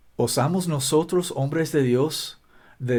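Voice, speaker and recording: A somewhat breathy man's voice with an American accent. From United States. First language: English (speaking Spanish). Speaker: preacher. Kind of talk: sermon. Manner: halting, with frequent restarts.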